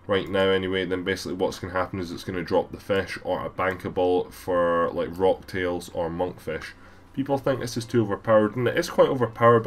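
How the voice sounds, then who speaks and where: A man with a deep voice and a cold, rambling casually through a gameplay voiceover with many fillers. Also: slight background noise. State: has a cold, stuffy. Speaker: gaming YouTuber.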